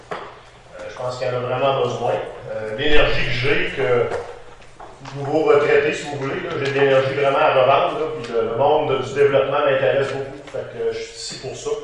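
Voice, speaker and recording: Québécois mayor heard from afar. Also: male voice, medium pitch, a little hiss or hum. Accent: Quebec French. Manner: plain, hesitant, with filler pauses. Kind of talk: prepared self-introduction. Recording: echoey room, distant mic.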